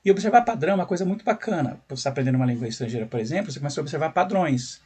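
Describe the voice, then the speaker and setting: A man's voice: on the high side, lively intonation, rapid-fire, a little mellow, breathy edge. A man with a Brazilian Portuguese accent teaching English in a video lesson, speaking conversationally and asking frequent rhetorical questions with a tag "né".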